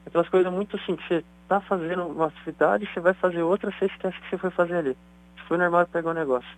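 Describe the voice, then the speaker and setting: A man's voice: high-pitched, steady tone, rapid-fire, poor audio. A man, a doctor, explaining things in a chatty radio interview. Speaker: neurosurgeon guest.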